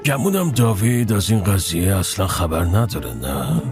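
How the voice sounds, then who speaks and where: A man's voice: fairly low pitch, expressive, creaky, over music. An actor dubbing a stern wealthy older man who bluntly confronts and refuses his family. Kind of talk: dubbed film dialogue.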